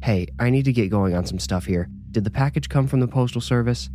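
A man's voice: mid-range voice, fairly quick, warm tone, pitched above the performer's own voice, natural voice. A man voicing a busy, rational grown son in audiobook dialogue, firm and exasperated. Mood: patient, reasoning. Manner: firm, dismissive, questioning.

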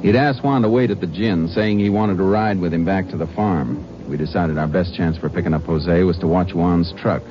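An actor in a 1950s radio drama playing a calm, determined Texas Ranger who narrates in first person with clipped, matter-of-fact delivery. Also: male voice, sits low, moderate pace, hardly any pauses, lightly acted. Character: steady, determined Texas Ranger lawman, adult man. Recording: dull 1950s radio transcription, noisy.

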